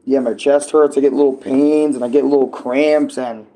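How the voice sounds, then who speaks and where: A man's voice: mid-range voice, fairly even intonation, normal speed, mellow. Rambling young man with a froggy voice. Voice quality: froggy voice at times. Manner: rambling, casual, with slang and fillers. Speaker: vlogger. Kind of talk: casual rambling vlog. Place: at home, in a kitchen. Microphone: tablet propped up nearby.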